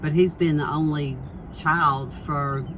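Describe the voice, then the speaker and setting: A woman with a very deep, low pitch, amid audible room echo and noticeable background noise. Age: 60s. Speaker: vlogger. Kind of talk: casual vlog monologue. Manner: rambling with many fillers.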